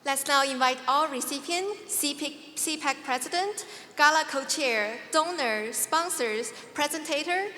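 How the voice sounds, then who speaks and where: A woman emcee making brisk announcements at a gala dinner. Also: high voice, pushed and bright. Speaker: master of ceremonies. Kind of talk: event announcements. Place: banquet hall. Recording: long reverb in a large hall.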